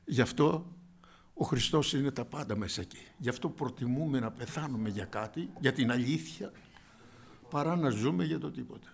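A man preaching a fervent sermon, speaking directly to his listeners as brothers and swinging between quiet asides and loud outbursts. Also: mid-range voice, gravelly.

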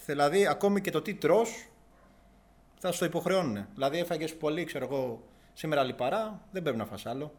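A young man earnestly recounting a personal religious testimony in a halting, searching way. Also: fairly high pitch, darkish tone. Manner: earnest, halting, with restarts and long pauses.

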